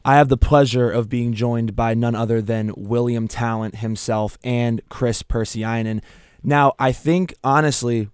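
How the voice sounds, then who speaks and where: A young man hosting a casual sports talk show, his voice croaky and raw from shouting, talking energetically with frequent restarts. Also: mid-range voice, measured pace, dry recording, studio quality. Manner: energetic, talks through his points with restarts. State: hoarse, croaky voice. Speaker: podcast host.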